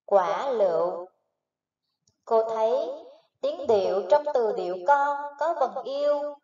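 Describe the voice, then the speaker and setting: A woman with a high, mellow voice leads a primary phonics lesson at a slow, deliberate pace, spelling each sound out syllable by syllable. She sounds roomy and set back from the microphone, and the recording is dull. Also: expressive. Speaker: primary school teacher. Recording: echoey, distant, dull recording.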